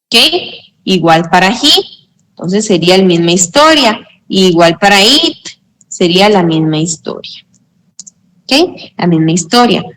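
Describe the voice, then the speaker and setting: Woman, English tutor, unhurried, patient, keeps checking in. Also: mid-range voice, fairly bright tone, rough recording. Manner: slow, patient explaining with frequent check-ins. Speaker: English teacher. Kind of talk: online tutoring lesson.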